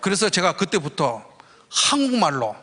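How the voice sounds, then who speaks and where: A middle-aged man telling a church testimony, animated and bursting into shouted quotes. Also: high voice, moderate pace, long reverb tail, slight background noise. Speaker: guest speaker giving a testimony.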